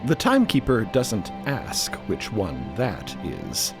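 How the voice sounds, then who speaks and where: A man narrating a scripted audio drama in a dramatic, deliberate manner. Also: on the low side, huge pitch swings, vocal fry, over music.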